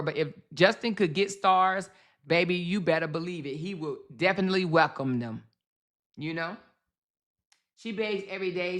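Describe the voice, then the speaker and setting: A woman's voice: on the low side, fairly bright tone. A woman hosting a casual live-stream commentary, reading chat comments aloud and calling viewers baby and girl. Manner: chatty, calls viewers baby and girl, repeats phrases.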